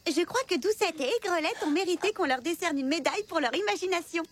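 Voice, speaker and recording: A woman's voice: very high voice, expressive, fast. A woman voicing a cheerful, adventurous cartoon girl who loves telling tall tales, in a French dub. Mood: lively. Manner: enthusiastic, fond of tall tales. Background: cartoon background music.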